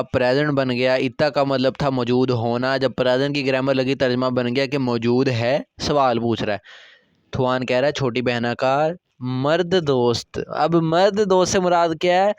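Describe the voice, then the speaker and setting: A man's voice: fairly high pitch, clear, resonant tone, dry recording. A man teaching a recorded Korean lesson, explaining step by step and often checking that students follow. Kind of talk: recorded language lecture.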